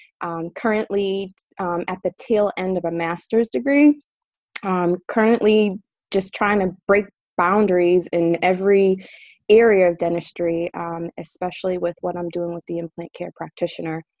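A woman speaks in an ordinary speaking voice at a medium pitch and moderate pace, with ordinary pitch variation. The sound is dry and close with no echo. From Boston. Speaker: dental hygienist, association president.

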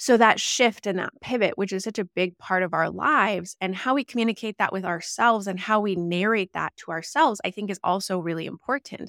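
A woman speaks in a normal speaking voice at a medium pitch with ordinary pitch variation and hardly any pauses. The sound is dry and close, with no echo. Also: fairly quick pace. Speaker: podcast host. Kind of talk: podcast interview, intro and conversation.

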